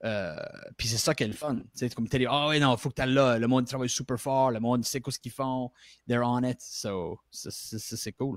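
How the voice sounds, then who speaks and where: Medium in pitch and moderate in pace, a man speaks with a Nova Scotia Acadian accent and fairly even intonation. The sound is dry and close with no echo, in a very clean recording with a silent background. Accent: Acadian French, Baie Sainte-Marie. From Nova Scotia, Baie Sainte-Marie. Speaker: actor. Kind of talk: casual interview chat. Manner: halting, many repetitions.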